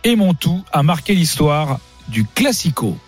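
A man's voice: fairly high pitch, big pitch swings, measured pace, husky, faint music behind. A man running a quiz on a football show, teasing the players and laughing as he goes. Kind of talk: casual banter on a football quiz.

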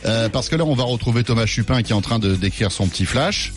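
A man's voice: medium pitch, animated, quick pace, soft background music. A man hosting a live call-in radio show, chatty and greeting listeners by name. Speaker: radio host.

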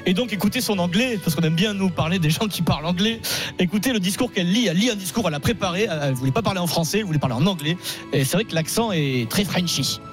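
A man's voice: sits high, expressive, fast, music in the background. A man hosting a radio show who tells stories in a teasing, bantering way. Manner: teasing, storytelling.

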